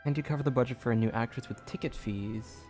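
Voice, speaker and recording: A man's voice: medium pitch, quick pace, darkish tone, faint music behind. A young adult man giving casual, musing gaming commentary, thinking aloud as he streams. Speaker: game streamer.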